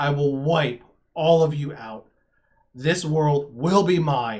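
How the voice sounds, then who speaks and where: Putting on a character voice, a man talks at a very slow pace with a fairly high pitch and a gravelly sound. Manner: menacing.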